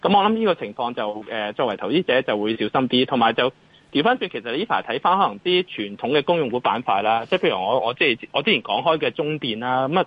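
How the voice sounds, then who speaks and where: A man's voice: mid-range voice, slightly rough, dry recording, lo-fi sound. A man with a Hong Kong Cantonese accent giving off-the-cuff market commentary as an analyst, in a hesitant way that circles back over phrases.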